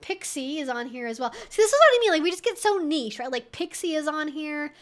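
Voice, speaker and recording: A woman's voice: sits high, big pitch swings, a little fast. A woman hosting a live Q&A stream, thinking aloud in an informal, chatty, wry and opinionated way.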